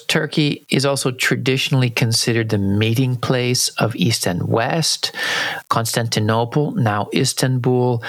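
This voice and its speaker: A man's voice: mid-range voice, no room sound. A man hosting a podcast, who guides the conversation and explains concepts. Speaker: podcast host.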